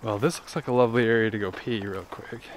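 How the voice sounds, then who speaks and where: A man in his thirties talking casually and excitedly as he walks through the overgrown grounds of a ruined palace, recorded outdoors on a clip-on mic. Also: fairly low pitch, fast, background noise. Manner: excited, chatty, wondering aloud. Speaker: travel vlogger. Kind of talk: casual walking commentary.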